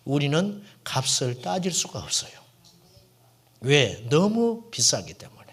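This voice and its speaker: A middle-aged male pastor preaching a sermon to his congregation, asking questions and answering them himself, and sometimes dropping to a hushed whisper for emphasis. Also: a little high, wildly swooping pitch, a little slow, slightly rough. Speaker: senior pastor.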